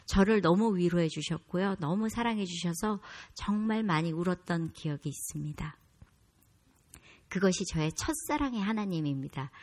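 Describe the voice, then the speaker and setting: A woman in her fifties shares her faith testimony before a congregation, speaking candidly and poking fun at herself. She keeps her tone calm and steady, at an ordinary pitch for a woman. It sounds like a comedian telling her life story from a church stage. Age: 50s. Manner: candid, self-deprecating storytelling with laughs; calm low delivery.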